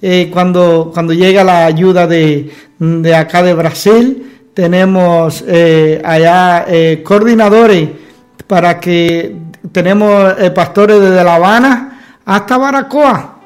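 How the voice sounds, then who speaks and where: A male pastor with a Cuban accent giving testimony as a guest, halting and pausing mid-sentence. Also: high-pitched, fairly even intonation. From Cuba. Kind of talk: testimony in an interview.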